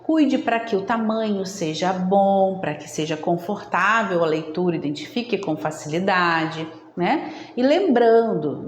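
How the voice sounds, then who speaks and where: A woman giving a didactic lesson on early reading, talking straight to viewers and checking in often. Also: medium pitch. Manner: didactic, addresses viewers directly, frequent "tá?" check-ins. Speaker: literacy educator. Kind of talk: instructional video talk. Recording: echoey room, faint background noise.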